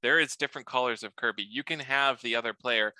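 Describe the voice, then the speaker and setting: A man's voice: medium pitch, quick pace, clear, resonant tone, no echo. A man co-hosting a podcast, reviewing a game in a playful, jokey way. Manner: playful, jokey, lively delivery. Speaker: podcast co-host. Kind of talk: casual podcast chat.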